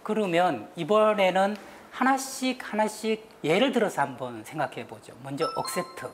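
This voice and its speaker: A woman giving a lively talk show lecture, acting out little scenes and having the panel repeat her lines. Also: on the low side, moderate pace, a little hiss or hum. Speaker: guest lecturer on stress.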